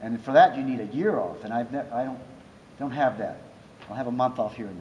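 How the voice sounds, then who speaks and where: A man talks with an American accent at a medium pitch. Room echo is audible. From US South, Louisiana near New Orleans. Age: 50s. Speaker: composer. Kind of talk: Q&A talk at symposium. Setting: symposium lecture with audience. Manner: conversational, with frequent restarts.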